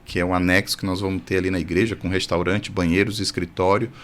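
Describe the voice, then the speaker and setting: A lower-voiced man, a priest speaking as a podcast guest, tells his story earnestly and with a little humor. He talks into a studio mic, and a faint noise sits behind him. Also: little pitch movement, quick pace. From Brazil, born in Salvador. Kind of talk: testimony in casual conversation.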